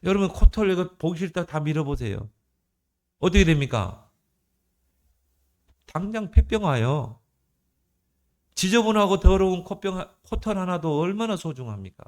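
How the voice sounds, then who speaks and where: Higher-voiced male pastor preaching. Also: very animated, normal speed, long pauses, a little mellow. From South Korea. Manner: conversational preaching with rhetorical questions and shifting emphasis. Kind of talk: sermon.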